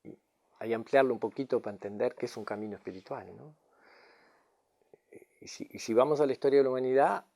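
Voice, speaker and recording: A man's voice: mid-range voice, fast, pauses often, warm tone. A man teaching as a spiritual guide and therapist in a reflective talk, often checking in with a questioning "mm?" or "no?". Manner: tags lines with questioning "mm?" and "no?" to check understanding.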